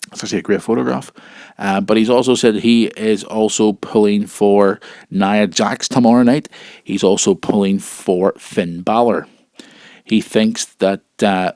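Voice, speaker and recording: A man with a husky voice from a cold, hosting a casual wrestling news show and chatting informally and directly to listeners. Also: lowish voice, darkish tone, dry recording, clean studio sound. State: has a cold.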